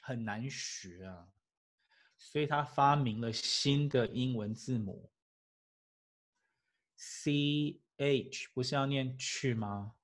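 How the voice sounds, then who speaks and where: An English teacher with a mid-range voice gives a spirited lecture to his class, full of chuckles and rhetorical questions.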